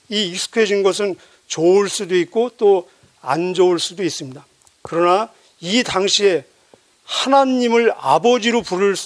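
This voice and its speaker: A man preaching a sermon as pastor, measured and emphatic, asking rhetorical questions of his listeners. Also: sits high, dry recording.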